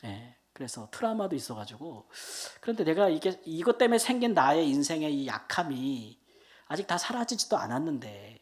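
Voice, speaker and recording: Emotional missionary testimony in a church, speaker in their 50s, colloquial, lots of fillers, gets loud then drops soft. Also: medium pitch, sing-song, normal speed. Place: church prayer meeting.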